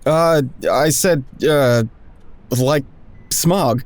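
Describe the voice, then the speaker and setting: An actor playing a wry, awkward man who narrates his own story in an audio drama with self-deprecating, deadpan, wordy humor. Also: on the high side, drawn-out words. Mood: casual, awkward. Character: wry, awkward smoker man narrating a reunion with old friend. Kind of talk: first-person scripted narration and dialogue in audio drama.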